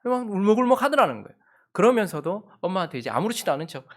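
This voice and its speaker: A middle-aged male pastor preaches a Sunday sermon in a church. His voice sits a little high and swings widely in pitch as he tells a story. He acts out the quotes and leads the congregation in reading scripture aloud. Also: sing-song, rapid-fire. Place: church sanctuary.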